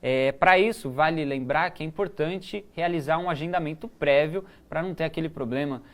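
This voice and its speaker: A relaxed, chatty man reads out the day's news stories for the show. His voice sits a little high for a man, and he often pauses with fillers and restarts his sentences in easygoing studio banter. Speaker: newsroom co-presenter. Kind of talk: casual news chat.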